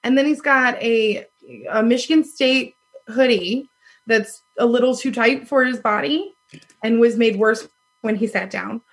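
A woman in her thirties with a loud voice, telling a dating story in casual chat, animated and laughing often. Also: fairly high pitch, measured pace, slightly rough. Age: 30s. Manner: animated, laughs often, acts out quoted lines.

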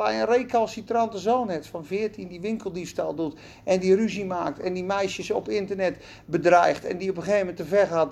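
A preacher delivering a sermon in an animated, emphatic way, with folksy turns of phrase. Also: medium pitch, gravelly.

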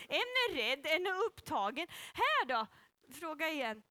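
A woman telling a Bible story to children in a playful, animated way and bringing up child volunteers. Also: sits high, no room sound. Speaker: children's church leader.

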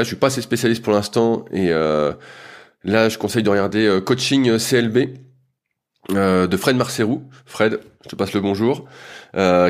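A man, a strength coach, explaining training in a loose, casual way with frequent hesitations and fillers. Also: lowish voice.

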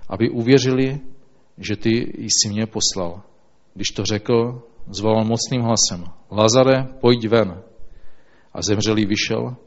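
A man reading scripture aloud and then preaching, in a slow, measured way with small restarts. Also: on the low side. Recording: dull lo-fi recording.

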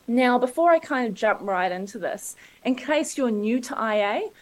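A woman's voice: fairly high pitch, lively intonation, normal speed, poor audio. A woman with a New Zealand accent giving a conference talk, joking and self-deprecating. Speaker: conference speaker.

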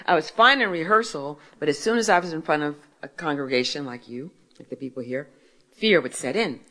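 Addressing an audience about her faith, this author and speaker from Philadelphia, a woman in her sixties, has a deep, low voice and an animated, fairly quick delivery. She shares her testimony warmly, asking questions and then answering them. The recording is rough.

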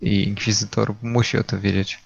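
A man playing a tabletop role-playing game, speaking casually and hesitantly as he deliberates, on a dull lo-fi microphone. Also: fairly low pitch, level tone, creaky, slightly rough, dry recording.

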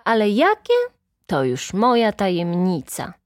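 A woman's voice: mid-range voice, very animated, unhurried, no room sound, studio quality. A woman voicing a stubborn, proud little schoolgirl who talks in a defiant, teasing way, in a storybook reading.

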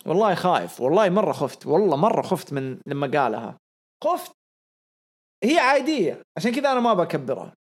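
Excitable man on a podcast. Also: a little high, racing. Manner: excitable, repeats phrases for emphasis. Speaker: podcast co-host. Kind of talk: casual podcast commentary.

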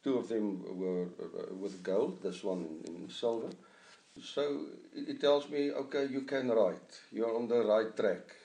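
A middle-aged man with an Afrikaans accent, an author talking in an interview about his novel. He speaks in a halting way, searching for English words. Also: fairly low pitch, creaky, mellow. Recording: echoey room, mic at a distance.

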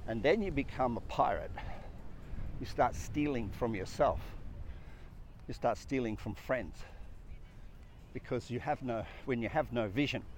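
Speaking at a medium pitch, unhurried and with long pauses, a personal-growth speaker reflects earnestly on purpose and the soul in a spiritual talk. He repeats himself, heaping up phrases and building lists of questions, with a faint hum of traffic behind.

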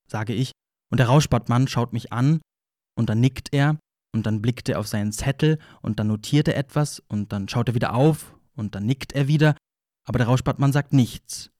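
A man's voice: medium pitch, normal speed, darkish tone, dry recording, clean studio sound, lightly acted. A man playing a wry, wounded narrator who confesses in a rambling, repetitive way, in an audio play monologue. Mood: wry, musing. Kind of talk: audio play monologue, ironic first-person storytelling.

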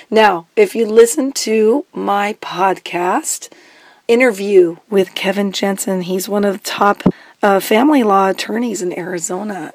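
Hoarse woman hosting a slow, chatty podcast. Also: medium pitch, no echo. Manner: chatty and direct, laughs between points. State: hoarse, has lost her voice. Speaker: podcast host and divorce coach. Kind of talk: solo advice podcast monologue.

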